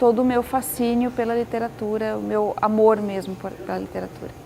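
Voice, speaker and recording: A woman with a southern Brazilian accent talks at a moderate pace and a fairly high pitch. Noticeable background noise runs behind her. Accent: gaúcho Brazilian Portuguese. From southern Brazil (Rio Grande do Sul, Porto Alegre). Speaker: poet and literature scholar. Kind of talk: interview. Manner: halting, with frequent repetitions.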